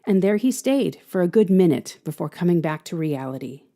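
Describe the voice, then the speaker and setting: A woman reading scripted fiction as an expressive audio drama narrator. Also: on the low side, moderate pace.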